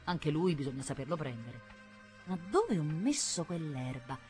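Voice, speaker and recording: A woman's voice: sits low, moderate pace, faint music behind. A woman reader voicing an old village nurse who fusses, scolds and chatters. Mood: chatty. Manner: fussing, scolding, lively.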